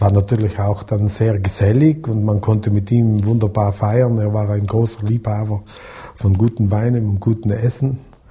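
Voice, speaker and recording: Over noticeable background noise, a man with a fairly low pitch speaks in a monotone, flat way. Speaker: musician, victim's brother. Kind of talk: interview.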